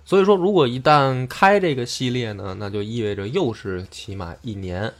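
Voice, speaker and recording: A man hosting a casual history podcast, explaining deliberately and often rephrasing himself. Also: medium pitch, soft background music. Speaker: podcast host.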